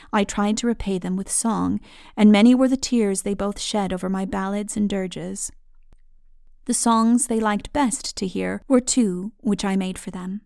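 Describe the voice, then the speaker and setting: A woman reading a literary fantasy audiobook as narrator, in measured, formal storytelling. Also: medium pitch, creaky, darkish tone, no echo, studio quality. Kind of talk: scripted dramatic narration of a literary fantasy tale.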